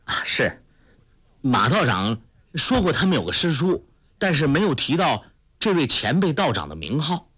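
A man's voice: a little high, sing-song, moderate pace, a bit bright, breathy edge, pitched above the performer's own voice, heavily acted. An earnest, simple young man answers politely and a little hesitantly. A man reading aloud voices him close to his own voice.

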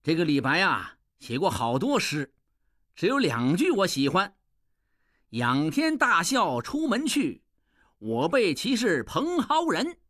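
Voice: mid-range voice, very animated, takes it slowly, dry recording, studio quality. A performer voicing a proud, penniless young male scholar who swings between whining and grand boasting, in an audio drama. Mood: boastful.

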